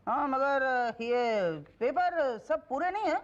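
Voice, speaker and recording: An actor playing an irritable customs officer who speaks sarcastically and with exasperation. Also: male voice, extremely high pitch, animated, slow pace, exaggerated voice. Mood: exasperated. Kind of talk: sitcom acting. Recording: dull old TV audio with crowd behind.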